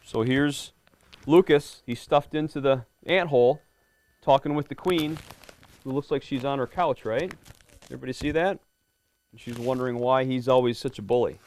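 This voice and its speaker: Medium-pitched and a little mellow, this middle-aged police lieutenant moves at a moderate pace while reading a picture book to a class of kids. He's warm and friendly, frequently testing them with questions and asking "right?"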